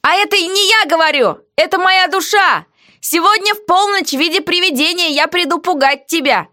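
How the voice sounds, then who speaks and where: A woman's voice: very high voice, moderate pace, bright, forceful tone, voice pushed up. A woman playing a cheeky defiant prisoner. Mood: teasing. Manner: mocking, sassy retorts.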